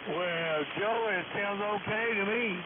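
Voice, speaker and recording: A man's voice: high voice, slow pace, far from the mic, narrow, tinny audio. A man chatting casually as an amateur operator over a ham radio transmission. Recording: faint radio link under loud hiss.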